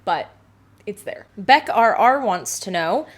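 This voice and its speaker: A woman in her thirties with an easy Southern Californian accent talks straight to her viewers. She rambles cheerfully, cuts herself off, and keeps "like" in nearly every sentence. Her voice sits at an ordinary middle pitch for a woman. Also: animated, takes it slowly. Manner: chatty, self-deprecating, filler-heavy with frequent "like". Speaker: home baker and vlogger. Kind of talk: casual Q&A vlog.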